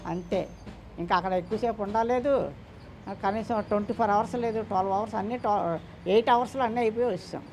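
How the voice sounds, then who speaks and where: A man's voice: high-pitched, fast talker, darkish tone, slight background noise. An older man answering interview questions about his son, speaking emphatically and often repeating himself or quoting what others said. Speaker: interviewee, the father of a man in the news.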